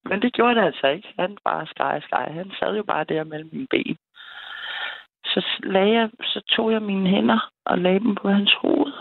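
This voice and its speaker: Gravelly-voiced woman caller on the phone. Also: medium pitch, no echo. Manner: lively, chatty, laughs between sentences. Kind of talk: casual phone-in storytelling. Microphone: telephone. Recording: tinny phone line.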